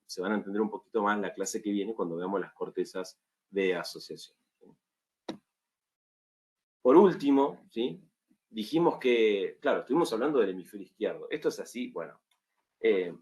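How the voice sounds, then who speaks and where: A man's voice: lowish voice, a little mellow. A man with an Argentine Spanish accent giving a recorded online lecture to medical students, often checking in with tag questions.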